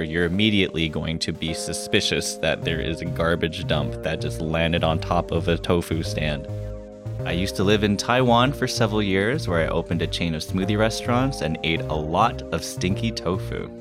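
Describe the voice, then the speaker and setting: A young man from Canada, a graduate student interview guest, speaking in a relaxed, chatty way with many fillers. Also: deep voice, normal speed, over music. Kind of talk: casual interview.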